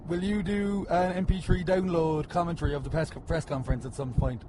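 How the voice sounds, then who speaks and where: A man with a slightly high voice joins in loose podcast banter as a guest. He chats casually. There is clear noise behind him. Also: fairly even intonation, fairly quick. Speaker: podcast guest, wrestler and actor. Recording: noisy background.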